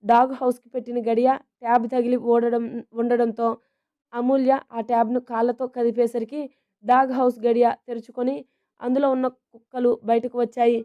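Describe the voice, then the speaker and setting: A woman narrating a romantic family story in a steady, even reading manner. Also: fairly high pitch, moderate pace, phone-quality sound.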